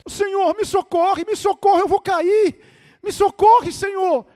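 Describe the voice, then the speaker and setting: A man playing a panicked young man dangling from a branch and shouting frantically for help. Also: very high-pitched, unhurried, voice pushed up. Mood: frantic, pleading.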